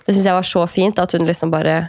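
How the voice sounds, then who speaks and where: A woman in her thirties with a low voice, chatting in a relaxed, reflective way. Her voice has a gravelly edge. The recording is dry and close. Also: dry recording. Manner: reflective, many fillers and quoted inner thoughts. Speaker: guest. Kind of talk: casual conversation.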